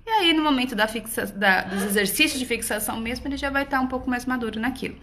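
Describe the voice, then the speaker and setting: Bright-voiced woman teaching parents. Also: on the high side, fast talker, slight background noise. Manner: reassuring, patient, says "né?" often. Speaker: homeschooling educator. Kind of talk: casual teaching talk to parents.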